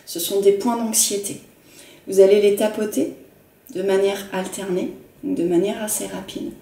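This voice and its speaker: A woman teaching emotional tapping techniques in a gentle, repetitive, instructional manner. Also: mid-range voice, little pitch movement, moderate pace. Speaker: EFT practitioner. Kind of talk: calm instructional talk. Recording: roomy sound from a distant mic with faint noise.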